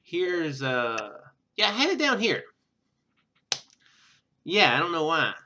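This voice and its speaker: A man giving casual gameplay commentary in a halting, rambling, self-deprecating way. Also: a little high, very animated, background noise. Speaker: let's player. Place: indoor room at home.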